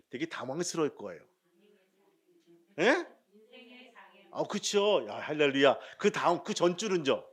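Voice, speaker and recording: A male pastor delivers a Sunday sermon in a somewhat high voice. He quizzes and teases his congregation, and he alternates booming emphasis with soft asides. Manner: asks the congregation questions and jokes with them; swings between loud emphasis and quiet asides.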